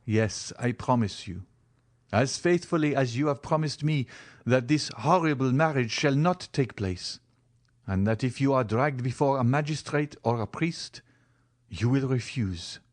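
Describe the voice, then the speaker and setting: A man's voice: mid-range voice, expressive, a little slow, pitched above the performer's own voice, close to an everyday voice. A man voicing an ardent young lover who speaks earnestly and fervently in an audiobook reading.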